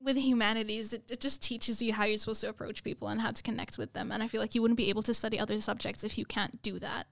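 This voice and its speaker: A woman's voice: fairly high pitch, flat delivery, fast, vocal fry, hardly any pauses. A young woman from the United Arab Emirates giving earnest, conversational interview answers, often repeating words for emphasis. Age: young adult. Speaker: international theatre student, interview guest.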